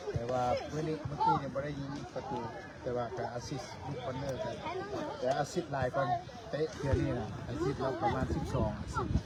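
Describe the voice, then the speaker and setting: A man with a Lao accent, a club president chatting loosely on a livestream and urging fans to cheer on the kids. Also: medium pitch. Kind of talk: casual livestream chat. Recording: loud crowd noise behind.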